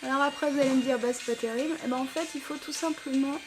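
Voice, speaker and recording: A woman's voice: high-pitched, fairly even intonation, fast talker, music in the background. A woman with a French accent reviewing make-up gifts in a casual, enthusiastic chat full of fillers. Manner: enthusiastic, chatty, many fillers. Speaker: beauty vlogger.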